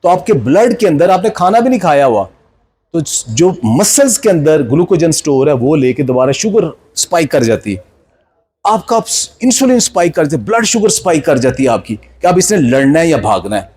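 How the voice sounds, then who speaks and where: A man's voice: fairly high pitch, very animated, normal speed, a little mellow. A man in his sixties with a Pakistani Punjabi accent gives an informal health lecture, exhorting listeners in colloquial speech mixed with English terms. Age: 60s. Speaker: health speaker.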